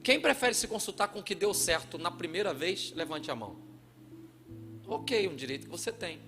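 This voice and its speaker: A man from Brazil preaching a sermon in a church, telling a story with acted-out voices and shouts. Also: high-pitched, expressive, moderate pace, faint music behind. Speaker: pastor.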